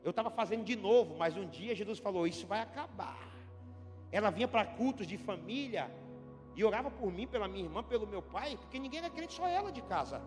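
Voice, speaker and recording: High-voiced Brazilian pastor preaching fervently. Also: male voice, expressive, fast, over music. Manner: fervent preaching, swinging from hushed to shouting. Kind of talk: sermon. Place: church hall with long reverb. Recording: reverberant church hall.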